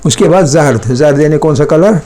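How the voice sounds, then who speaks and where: A man's voice: on the high side, lively intonation, moderate pace, warm tone. A male teacher giving a classroom language lesson, patiently explaining and repeating each word many times, checking in with pupils through short questions. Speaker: Persian teacher. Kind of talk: classroom lesson, dictating and drilling words.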